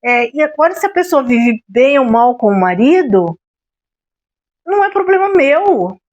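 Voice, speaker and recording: A middle-aged woman with a Brazilian accent speaks in a high voice. She tells a personal story on her vlog, confiding and often turning to her listeners to make sure they are following. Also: animated, unhurried, a little mellow, dull audio. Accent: Brazilian Portuguese. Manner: confiding, repeatedly checks in with the listener. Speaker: vlogger.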